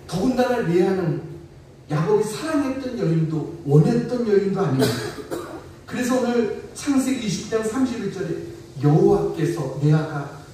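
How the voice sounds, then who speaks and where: High-voiced pastor in an echoey hall. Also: male voice, mellow, a little hiss or hum. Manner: storytelling, asking the congregation questions. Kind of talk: sermon. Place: church sanctuary. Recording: echoey church hall from far off.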